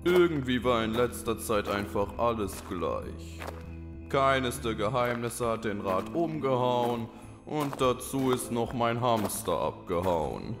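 A man's voice: medium pitch, lively intonation. A man playing a restless little town master creature in a children's audio drama, musing theatrically. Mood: brooding, weary. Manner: theatrical, musing, drawn-out delivery. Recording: hall-like reverb with music.

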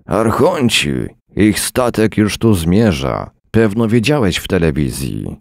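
A man voicing a hoarse, calm street prophet who preaches about the end times, read as part of a story. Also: on the low side, slow pace, dry recording, studio quality, voice pushed up, heavily acted. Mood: calm preaching. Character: old friend turned street prophet, male, calm and fervent.

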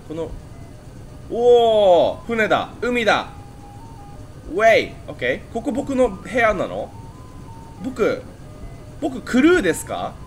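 Young guy doing horror game commentary, super lively voice jumping up and down, chats to viewers. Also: high voice. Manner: animated, chatty, talks to viewers. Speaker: gaming channel host.

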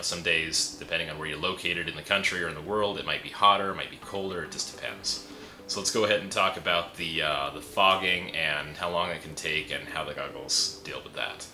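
A young man's rumbling low voice comes across fast, bright and forceful as he gives a laid-back, chatty product review with lots of fillers. He speaks to a camera indoors by a pegboard wall, and the recording has a roomy echo and slight background noise.

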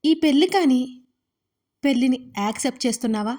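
A woman voicing a harsh, commanding young husband who scolds with sharp questions in an audio storybook. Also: sits high, a little fast. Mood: angry, demanding.

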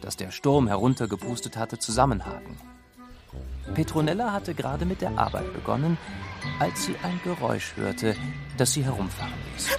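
A man narrating a children's audio drama as a scripted storybook tale, with a gravelly voice. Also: medium pitch, sing-song, moderate pace, over loud music.

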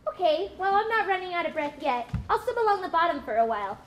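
Woman as excitable whale puppet, very high chatty voice. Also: fast talker, background noise. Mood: curious. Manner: wide-eyed, chatty and excitable. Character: curious hungry young female sperm whale. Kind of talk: live puppet show.

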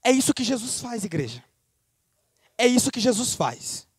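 Preacher, man with a very high voice, fervent sermon delivery, close and dry. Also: normal speed, breathy edge, no echo. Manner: lively preaching, speaks straight to the congregation.

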